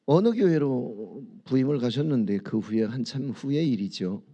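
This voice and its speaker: A male pastor gives a dawn sermon in a church sanctuary, his voice dark and mellow at a middle pitch. He tells stories in a conversational way and keeps checking in with the congregation through rhetorical questions. He also leads the room in reading and prayer. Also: lively intonation, normal speed, muffled recording.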